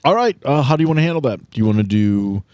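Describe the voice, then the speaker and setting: A man acting as game master, narrating a tabletop role-playing game in descriptive, deliberate detail. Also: mid-range voice, animated, darkish tone, smooth.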